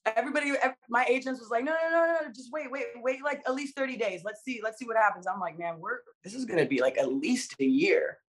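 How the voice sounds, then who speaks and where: A young woman from the Dominican Republic, guest in an interview, talking in a casual, slangy, animated way. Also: fairly high pitch, quick pace, hardly any pauses, breathy edge. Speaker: actress guest.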